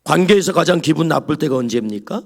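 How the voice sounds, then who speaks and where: A man preaching a sermon as pastor, lively and dramatic, dropping to whispers for quoted lines. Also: a little high, quick pace, vocal fry. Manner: animated preaching, whispering asides and acting out quoted voices. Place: church sanctuary. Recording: long church hall reverb.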